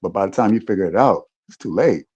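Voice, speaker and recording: A man's voice: low-pitched, animated, quick pace, a little mellow, slightly rough, highs cut off. A man in a casual podcast chat, talking reflectively, with frequent restarts. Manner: reflective, rambling with many restarts. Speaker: podcast co-host.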